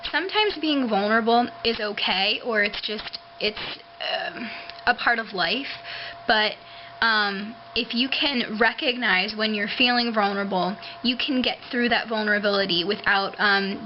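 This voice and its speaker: A woman vlogger talking casually and haltingly to her webcam, with drawn-out, hissing s sounds like a lisp. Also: medium pitch. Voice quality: lisping, hissy drawn-out s sounds. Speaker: video blogger. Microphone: webcam microphone. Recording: noisy dull webcam audio, hissing sibilance.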